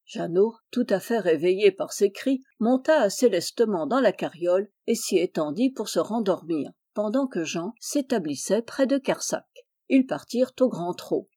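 Woman, audiobook narration, mellow warm tone, calm measured pace. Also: medium pitch. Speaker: audiobook reader. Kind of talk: scripted narration.

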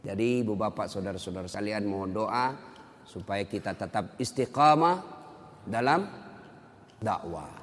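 A man preaching to a congregation as an Islamic preacher, telling funny stories in a lively, animated way. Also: lowish voice, moderate pace, long pauses. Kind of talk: sermon with comic storytelling. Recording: long hall reverb.

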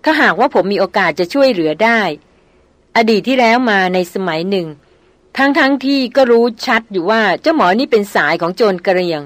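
A woman's voice: medium pitch, expressive, a little fast, no room sound, lightly acted. A woman reading an audiobook novel, voicing a proud, wry male jungle hunter with a dry, teasing manner. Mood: earnest.

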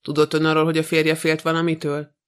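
A man's voice: a little high, completely flat delivery, clear, resonant tone, natural voice. A man voicing a stern, impatient male magistrate who asks formal, probing questions in an audiobook.

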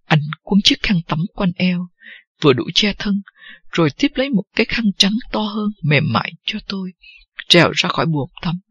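An audiobook narrator reading a first-person novel at a steady, unhurried pace. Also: medium pitch, breathy edge, dry recording, lo-fi sound.

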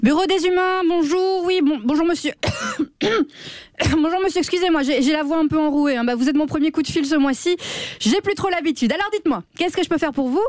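A woman playing a gossipy, hoarse phone clerk. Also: sits high, a little fast, darkish tone, no echo, studio quality, voice pushed up, close to an everyday voice. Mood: chatty. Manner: gossipy, talks to an unheard caller, constant "hein". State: a little hoarse. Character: chatty, weary female job-center clerk on the phone. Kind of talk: comedy sketch on radio.

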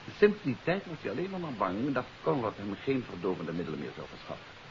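An actor playing a confident detective who explains a case in an assured, emphatic way, in 1950s radio drama style. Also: male voice, on the low side, huge pitch swings, fast talker. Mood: assured explaining. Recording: dull, hissy 1950s radio recording.

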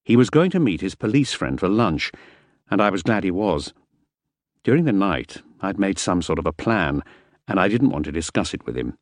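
A man reading a first-person novel aloud as an audiobook narrator, measured and wry. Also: low-pitched, sing-song, no room sound.

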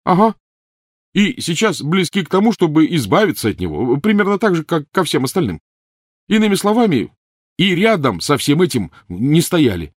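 A man reading an audiobook voices a bitter, shouting teenage boy wizard. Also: fairly high pitch, very animated, moderate pace, no room sound, studio quality, pitched above the performer's own voice. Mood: angry. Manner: shouting, resentful, sarcastic.

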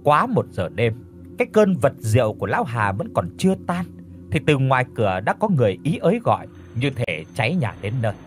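A man narrating a horror audiobook with dramatic, expressive storytelling. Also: mid-range voice, fairly quick, faint music behind.

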